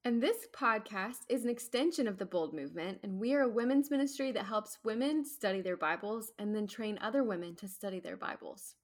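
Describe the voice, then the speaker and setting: A woman co-hosting a Bible study podcast, talking in a relaxed, thoughtful way. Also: mid-range voice, fairly quick, few pauses. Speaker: podcast co-host. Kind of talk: casual Bible study chat.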